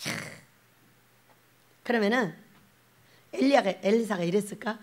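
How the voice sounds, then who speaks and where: A woman's voice: mid-range voice, normal speed. A woman pastor, preaching a sermon and acting out the voices she quotes. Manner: animated, acts out quoted voices, laughs often.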